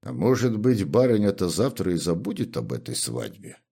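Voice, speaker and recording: A man voicing a stern, bossy older butler in an audiobook, speaking in a gruff, commanding way. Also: low voice, very animated, normal speed, dark tone, exaggerated voice. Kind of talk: audiobook character reading.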